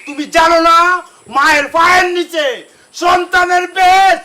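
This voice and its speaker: A man's voice: extremely high pitch, fairly even intonation, a little slow, sharp tone, full character voice. A man playing an angry young son who confronts his father in a folk stage drama. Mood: insistent. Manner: insistent, confronting.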